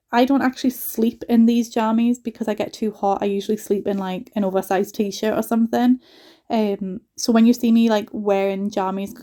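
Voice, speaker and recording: A woman from northeast England with a soft mixed Geordie and Scottish accent, chatting casually through a home vlog voiceover with lots of "like" asides. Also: medium pitch. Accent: soft mix of Geordie and Scottish. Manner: chatty, rambling, frequent "like" asides. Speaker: home vlogger and mother.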